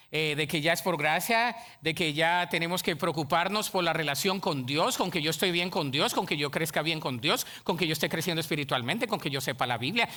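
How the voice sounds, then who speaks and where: Man preaching in church, bright sharp voice, gets loud and keeps asking the crowd stuff. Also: on the high side. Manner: animated and emphatic, calls out to the congregation; admits to being a shouter. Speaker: pastor. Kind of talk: sermon. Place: church sanctuary.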